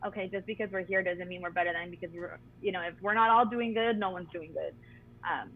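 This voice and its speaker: A woman in her thirties, a chef from the San Diego–Tijuana border, telling her own story animatedly on a video call from home. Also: fairly low pitch. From San Diego–Tijuana border region. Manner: animated, frequent "like" and "you know". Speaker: chef and guest. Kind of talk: personal storytelling on a webinar. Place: small home room indoors. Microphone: video call laptop mic. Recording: tinny phone-like call audio.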